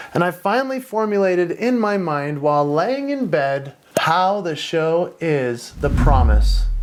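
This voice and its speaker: Male speech with lively intonation against noticeable background noise. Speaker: entertainer and keynote speaker. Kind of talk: personal talk to camera.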